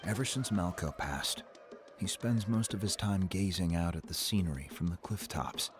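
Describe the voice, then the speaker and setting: An actor playing a wise, encouraging tribal mentor in a video game, explaining things in a measured way. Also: male voice, sits low, natural voice. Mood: reflective. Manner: measured, explanatory, fond of comparisons. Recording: faint ambient noise behind.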